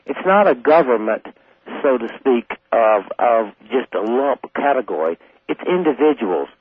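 A man in his forties from South Carolina, a radio guest talking in a calm, earnest, long-winded way. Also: medium pitch, normal speed, slightly rough, no room sound. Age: 40s. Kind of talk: call-in radio conversation. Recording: tinny phone line.

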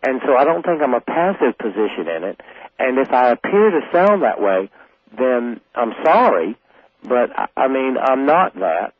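Calm earnest man on a tinny phone line. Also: medium pitch, normal speed, husky, dry recording. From South Carolina. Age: 40s. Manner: calm, earnest and long-winded. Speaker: radio guest. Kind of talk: call-in radio conversation.

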